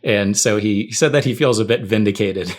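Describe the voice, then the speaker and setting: A man's voice: on the low side, a little slow. A man telling anecdotes casually as a guest on a podcast. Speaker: podcast guest, tech writer.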